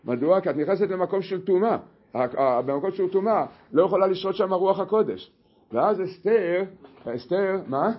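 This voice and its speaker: A man teaching a Torah lesson, telling the story in an animated way with many restarts. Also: high-pitched, dull audio. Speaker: religious teacher.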